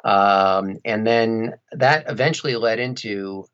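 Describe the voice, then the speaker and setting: A man with a fairly low voice chats casually as a guest, spinning detailed, wry anecdotes. The recording is a little dull and lo-fi. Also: takes it slowly, a bit bright, clean tone. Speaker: interview guest, audiobook narrator and radio play performer. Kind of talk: casual conversational storytelling.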